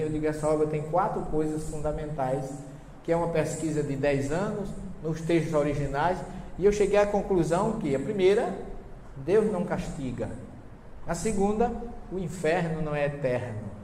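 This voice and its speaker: A man with a Northeastern Brazilian accent lectures to a live audience, telling stories with lively energy, acting out conversations and putting questions to the crowd. His voice sits a bit higher than most men's. He is recorded in a large hall with a long, echoing reverb and faint background noise. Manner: lively storyteller, acts out dialogue, asks the audience questions. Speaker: lecturer on Bible translations.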